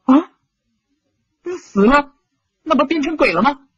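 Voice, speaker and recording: A man voicing a feisty little girl who speaks in a shrill, urgent way. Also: lively intonation, unhurried, fairly bright tone, no echo, highs cut off, heavily acted. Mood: alarmed.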